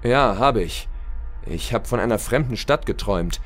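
An earnest, bewildered male soldier, played by a man in an audio drama. His voice is mid-pitched and puzzled, over faint music. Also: animated, moderate pace, close to an everyday voice. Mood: puzzled, reflective. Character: bewildered male soldier questioning what is real. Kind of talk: German audio drama acting.

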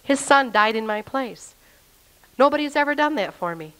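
A woman's voice: high-pitched, lively intonation, moderate pace, a bit bright, poor audio. Fervent woman giving her testimony. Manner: fervent, emotional, quotes her own prayers aloud. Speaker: testimony speaker. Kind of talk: spoken personal testimony.

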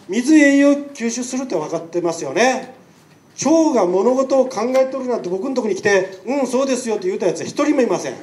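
A man with a Nagasaki accent lectures in a high voice, talking in a chatty way and throwing questions at his listeners. He is picked up from a distance in an echoing hall. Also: darkish tone. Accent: Nagasaki dialect. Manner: chatty, rhetorical questions to the audience. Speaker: lecturing doctor. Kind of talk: public lecture. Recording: echoey hall, mic far off.

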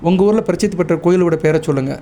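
Man giving slow, careful devotional advice. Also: high voice, a little hiss or hum. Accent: Tamil. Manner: repeats "சரியா?" often, measured and instructive; chants mantras and praise lists in a steady recitation. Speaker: astrologer. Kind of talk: devotional advice talk to viewers.

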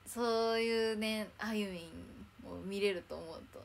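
A woman's voice: medium pitch, unhurried, creaky, a little hiss or hum. A young woman chatting casually on a livestream in a bubbly, chatty way, thanking viewers as they arrive. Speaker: idol livestreamer.

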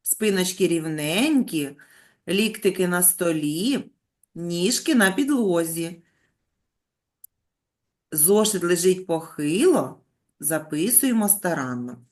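Woman teacher leading an online lesson for small children, lively rising and falling voice, gentle praise. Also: fairly low pitch, takes it slowly, long pauses. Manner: patient, coaxing, praises with pet names. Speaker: primary school teacher.

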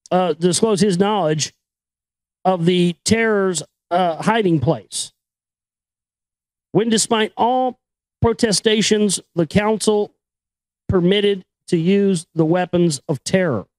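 A man reading a book aloud in deliberate, separate phrases, with the odd informal aside. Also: high voice, darkish tone, dry recording, low-quality recording.

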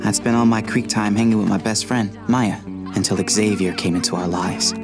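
Man as solemn betrayed cartoon character, lowish voice, dramatic backstory narration, loud music. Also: steady tone, normal speed, lightly acted. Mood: aggrieved. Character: betrayed boy recounting his exile, solemn and aggrieved.

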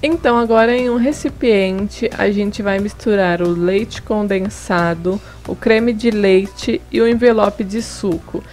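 A woman's voice: medium pitch, a little slow, hardly any pauses, a little mellow, faint music behind. A young woman hosting a home cooking video, chatting through each step and adding friendly tips in a voice-over. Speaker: cooking channel host. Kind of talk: casual recipe demonstration. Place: home kitchen table.

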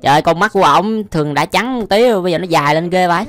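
A man's voice: sits high, rapid-fire, fairly bright tone. A young man giving casual, exclamation-filled reaction commentary as a YouTube host, often amused by what he watches. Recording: music behind the voice. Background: music.

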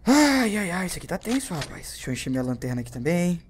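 A young man with a Brazilian accent commentating his gameplay, who swears constantly and yelps and shouts whenever he is startled. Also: sits high, big pitch swings, fast, slight background noise. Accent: Brazilian Portuguese. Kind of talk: let's play commentary.

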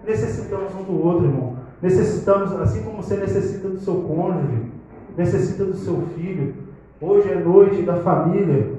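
A man's voice: sits high, mellow, a little hiss or hum. Man praying fervently in an echoey church. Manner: repeats "ó Pai" and "ó Deus" between phrases, rising in intensity. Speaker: preacher leading prayer. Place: small church hall, indoors. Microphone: handheld mic. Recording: very echoey room, slightly dull sound.

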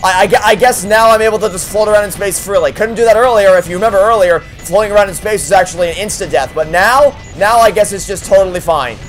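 A man's voice: high-pitched, fast, hardly any pauses, soft background music, low-quality recording. Sarcastic, fed-up young man playing a game. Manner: sarcastic, exasperated, swears often. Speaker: let's play host. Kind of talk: profane frustrated gameplay commentary.

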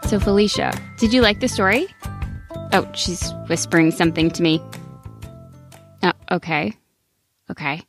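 A woman gently and expressively reading a rhyming bedtime story aloud. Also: fairly low pitch, normal speed, pauses often, over music. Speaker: storybook narrator.

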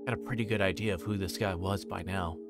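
A man livestreams a visual novel, reading its narration aloud in a deep, steady voice at a fast clip. He sometimes stumbles and re-reads, with music playing behind him.

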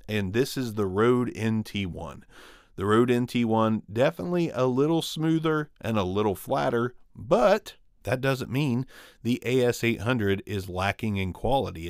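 A man in his forties reviewing a microphone in a casual, upbeat way, talking close into a studio condenser in a small home studio. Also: dry recording. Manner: upbeat, conversational, frequent pitch jumps when emphasizing. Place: small dark studio room with guitars. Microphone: studio condenser on boom, close.

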